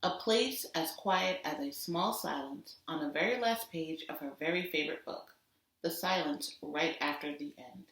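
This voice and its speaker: A woman teacher giving an expressive storybook read-aloud for children, deliberate and with dramatic emphasis. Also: deep voice. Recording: roomy echo, distant microphone.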